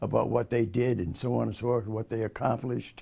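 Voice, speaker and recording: This voice has a dark, mellow tone, vocal fry and an American accent. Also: man. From Albany, New York. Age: 80s+. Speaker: World War II veteran. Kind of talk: interview answer.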